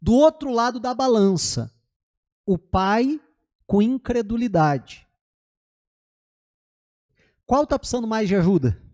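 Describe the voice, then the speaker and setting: Brazilian male pastor, high-pitched, very expressive sermon delivery, quizzes the congregation. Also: slow, long pauses. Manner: animated, acts out quoted voices, asks the congregation questions. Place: church.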